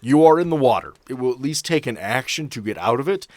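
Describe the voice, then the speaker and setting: A man's voice: mid-range voice, animated, fast, over a noisy crowd. A man running a tabletop role-playing game, moving between dramatic scene-setting and casual asides as game master.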